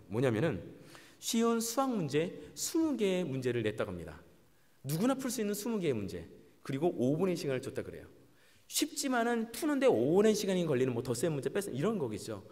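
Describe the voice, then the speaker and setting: Animated male pastor in a reverberant hall. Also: brisk. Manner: animated, acts out quoted voices with big pitch swings. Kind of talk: sermon.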